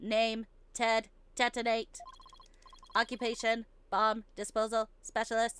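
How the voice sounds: A female-sounding, robotic put-on character voice speaks at a fairly high pitch and a fairly slow pace, with long, frequent pauses.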